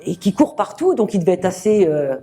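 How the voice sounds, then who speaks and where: A woman medium giving a live reading to an audience, speaking gently with many fillers and restarts. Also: fairly low pitch, very animated, brisk. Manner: gentle, reassuring address to the sitter.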